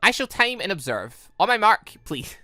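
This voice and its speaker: A woman's voice: mid-range voice, sing-song, moderate pace, bright, forceful tone, no room sound, studio quality, faint music behind. A woman voicing an earnest, formal young android girl from a visual novel, with precise, methodical wording. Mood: businesslike.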